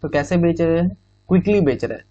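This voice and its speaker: A man's voice: on the high side, animated, fast talker, mellow, no echo. A male exam-prep teacher explaining idioms in Hindi with English phrases, often checking in with "theek hai". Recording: dull, muffled recording.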